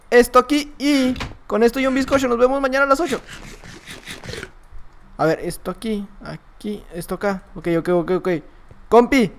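A young man giving excitable, playful gameplay commentary as a gaming YouTuber, trash-talking opponents as he plays. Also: high-pitched, a little hiss or hum.

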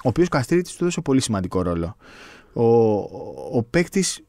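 A man talks through sports news in a relaxed podcast chat, pausing often and restarting his sentences. His voice sits in an ordinary middle pitch. The recording is dry and close, with no room sound. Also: dry recording. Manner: hesitant, many fillers and restarts. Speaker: sports journalist co-host.

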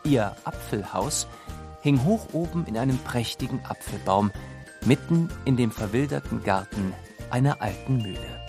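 A man narrating a scripted children's story in an expressive, deliberate storytelling manner. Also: medium pitch, vocal fry. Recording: studio narration over music. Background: music.

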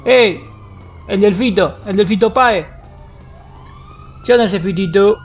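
A man's voice: high-pitched, unhurried, highs cut off. A young man with a Rioplatense Spanish accent, streaming a roleplay game in a brash, joking, swear-heavy manner. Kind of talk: casual gameplay roleplay stream.

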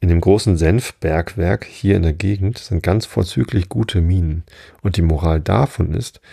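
A self-satisfied duchess who turns every remark into a moral, read by a man in a deep voice. She comes across as gravelly and dark-toned. The delivery is preachy and storybook-like. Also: moderate pace, dry recording, studio quality, heavily acted. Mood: smug. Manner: preachy, spins out tangled morals. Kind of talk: storybook reading.

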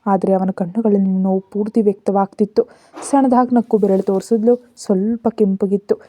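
Dark, mellow woman narrating a story. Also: medium pitch, steady tone, fairly quick.

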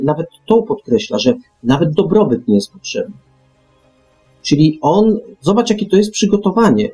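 A man's voice: on the high side, mellow, husky. A man hosting a radio discussion, speaking emphatically and often restarting and repeating his phrases. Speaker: radio show host.

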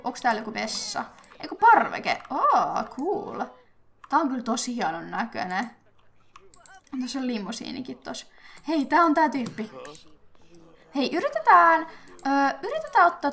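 A young woman from Finland chatting casually as she plays a life-simulation game, thinking aloud with fillers and quick bursts of excitement. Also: fairly high pitch. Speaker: gaming YouTuber. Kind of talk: casual let's-play commentary.

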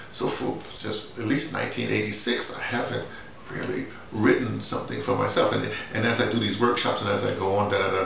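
A man in his sixties talking casually and haltingly to camera, repeating words and wandering off on asides. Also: fairly low pitch, gravelly, fairly bright tone. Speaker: playwright and audio drama teacher. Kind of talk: casual rambling monologue to camera. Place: small bare-walled room indoors. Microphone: camera mic a few feet away. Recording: very echoey room, distant mic, faint hiss.

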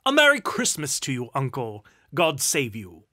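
A man's voice: on the high side, big pitch swings, takes it slowly, full character voice. A man voicing a cheerful, good-hearted young nephew in a storybook, polite, earnest and a little mischievous. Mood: merry, teasing.

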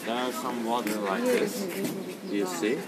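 A man's voice: medium pitch, very animated, a little slow. Turkish-accented man selling carpets on street. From Turkey. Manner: friendly, broken English, persuasive. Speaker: carpet seller. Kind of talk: casual street conversation. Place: outdoor city street. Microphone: vlogger's phone nearby. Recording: loud outdoor street noise.

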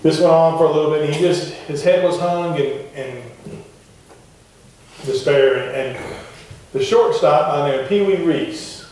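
A middle-aged man delivers a sermon in a chatty, questioning manner, his voice a touch higher than most men's. He is recorded from a distance at the back of a wooden church sanctuary. The room rings with heavy echo. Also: measured pace, darkish tone, a little hiss or hum. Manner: conversational, asks the congregation questions. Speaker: pastor. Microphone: far camera at the back of the church. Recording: echoey church heard from far off.

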